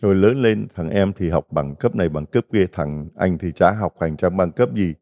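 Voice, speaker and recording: Middle-aged priest preaching a retreat homily, gravelly low voice, mellow tone, chatty stories. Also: male voice, moderate pace. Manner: folksy, storytelling, rhetorical questions to the congregation. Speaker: Catholic priest.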